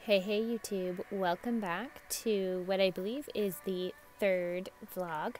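A woman's voice: mid-range voice, fairly even intonation, slow, a little mellow, a little hiss or hum. A woman, a nail technician, giving an upbeat, chatty voice-over for her vlog. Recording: voice-over with faint music behind.

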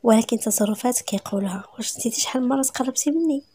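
A woman with a Moroccan accent voicing a cold, distant young husband in a husky voice. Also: fairly high pitch, very fast, warm tone, no echo.

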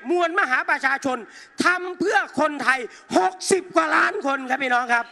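Male protest orator with a very high voice, combative and scornful, working a big outdoor crowd from the stage. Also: moderate pace, creaky, bright, forceful tone, a little hiss or hum. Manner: combative, mocking, addresses the crowd as brothers and sisters. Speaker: protest rally speaker. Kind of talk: fiery political rally speech. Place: outdoor rally stage in a park.

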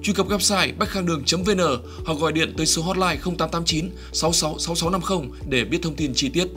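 A man's voice: on the high side, fast, sharp tone. A man reading a scripted commercial voice-over as an advert announcer. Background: music.

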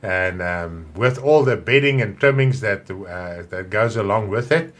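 Chatty South African pastor, low voice. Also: male voice, unhurried. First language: Afrikaans. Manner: chatty, rambling, with many restarts and hand gestures. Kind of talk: casual church broadcast welcome. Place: home room with wall of plates, indoors.

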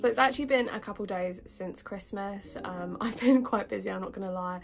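A young British woman chatting casually to her viewers in a bubbly, informal way, with a slightly husky voice from a cold. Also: medium pitch, fairly quick. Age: young adult. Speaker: vlogger. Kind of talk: casual chatty haul vlog.

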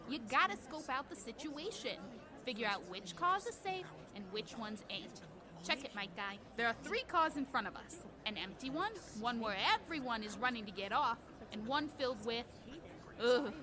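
A woman playing a bossy, streetwise host of a comedic radio survival guide, sassy, theatrical and tough-talking. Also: on the high side. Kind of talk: comedic audio drama acting.

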